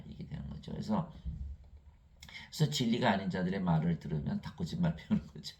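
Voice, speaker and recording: A man preaching a sermon, asking and answering his own questions and acting out Bible figures in lively voices. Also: lowish voice, creaky. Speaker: pastor.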